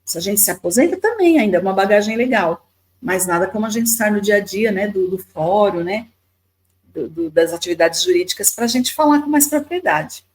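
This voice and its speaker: A woman's voice: medium pitch, expressive, a little fast, a little mellow, rough recording. A woman in her fifties from Brazil, a podcast guest telling stories in a chatty way, often repeating words and adding tag questions. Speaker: podcast guest, YouTuber and lawyer. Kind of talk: casual storytelling interview.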